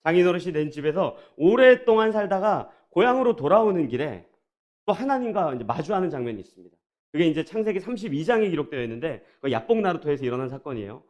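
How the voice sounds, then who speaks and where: Lively, high-voiced male preacher. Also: fast, dull audio. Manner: animated preaching with many rhetorical questions; draws the congregation in, addressing them directly. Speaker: pastor. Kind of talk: sermon.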